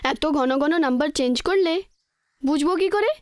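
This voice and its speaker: A woman's voice: high-pitched, animated, fairly quick, dry recording, studio quality. An actress playing a guarded, sarcastic young woman answering a friend's pushy questions. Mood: curt. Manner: curt, sarcastic. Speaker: film character. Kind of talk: film dialogue.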